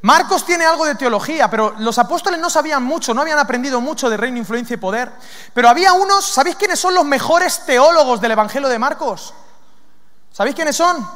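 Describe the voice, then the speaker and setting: A man from preaching a lively sermon, questioning his listeners and acting out lines from scripture. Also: very high voice, fast. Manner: lively, asks the audience questions, acts out demons' lines. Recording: long hall reverb.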